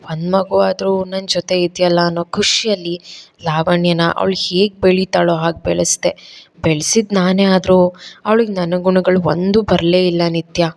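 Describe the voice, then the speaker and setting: A woman voicing a gentle middle-aged aunt who speaks softly and sorrowfully. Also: fairly low pitch, vocal fry. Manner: soft, tender, sorrowful.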